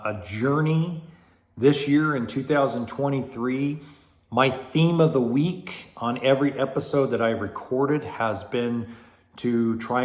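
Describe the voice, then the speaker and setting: A man's voice: mid-range voice, echoey room. A middle-aged man hosting a podcast, telling a story in a loose, rambling way, with a stuffy, congested voice from a cold. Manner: chatty, rambling, with fillers and restarts. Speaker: podcast host.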